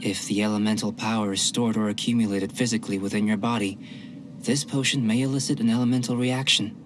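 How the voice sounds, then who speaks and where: A man voicing a calm young male alchemist in a game, measured, clinical and politely detached. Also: on the low side, slight background noise, close to an everyday voice. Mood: composed. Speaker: game character. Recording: game audio with music behind.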